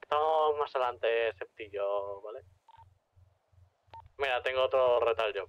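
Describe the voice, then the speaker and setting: A man's voice: mid-range voice, measured pace, clear, resonant tone, muffled recording. A man with a Spain accent talking casually and colloquially while playing a roleplay game, swearing freely. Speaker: gaming streamer.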